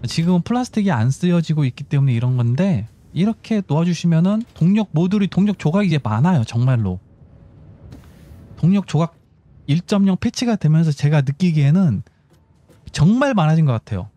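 A man's voice: a little high, very animated, brisk, warm tone, no room sound. A man giving casual gameplay commentary, explaining build steps as he goes and talking to himself over faint game music. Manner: instructive, talks himself through building steps. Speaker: gaming YouTuber.

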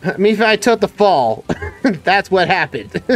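Excitable high-voiced male game streamer. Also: slow pace, faint music behind. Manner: excitable, frequent "oh boy" exclamations and laughs. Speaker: gameplay streamer. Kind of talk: live gameplay commentary.

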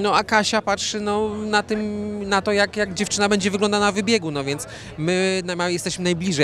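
A man in his thirties answering questions at an outdoor evening gala into a handheld mic, relaxed and rambling with many fillers. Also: on the high side. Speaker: interview guest, fashion designer. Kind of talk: red-carpet interview. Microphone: handheld reporter mic.

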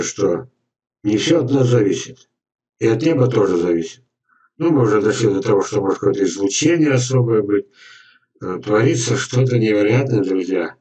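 Older guy doing a casual webinar, kinda low voice, sitting back from the mic, folksy and rambly. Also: a little mellow, recorded from a distance, rough recording. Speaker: host of a gardening webinar. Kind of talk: informal webinar talk. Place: indoors, dim room at a computer.

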